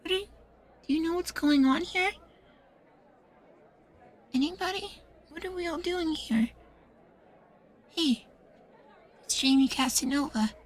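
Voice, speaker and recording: A man playing a young, submissive and loyal boywife in a roleplay, soft, hesitant and pleading. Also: very high voice, measured pace, pauses often, some chatter behind, voice pushed up. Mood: bewildered, timid. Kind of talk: roleplay ASMR acting.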